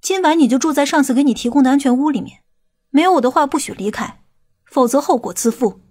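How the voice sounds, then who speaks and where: A woman playing a stern, sharp-tongued police officer in an audiobook, commanding and scolding. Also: sits high, fast talker, close to an everyday voice. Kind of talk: audiobook character acting.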